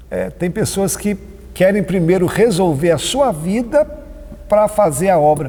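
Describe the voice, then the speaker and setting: Noticeable background noise sits behind a man with a high pitch. He speaks fairly slowly with lively intonation. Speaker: pastor. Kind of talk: casual chat.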